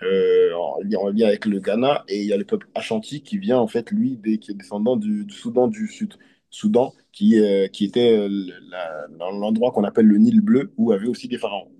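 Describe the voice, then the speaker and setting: A man from Côte d'Ivoire, a hypnotist, talking in an earnest, reflective and halting way as an interview guest. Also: lowish voice, steady tone, mellow. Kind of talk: casual interview conversation.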